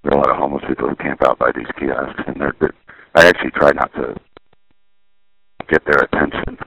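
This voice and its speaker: A middle-aged man rambles over a payphone line from a city street, musing, drifting off topic and often correcting himself. His voice is a rumbling low with vocal fry and a slightly rough edge. The recording is dry and lo-fi.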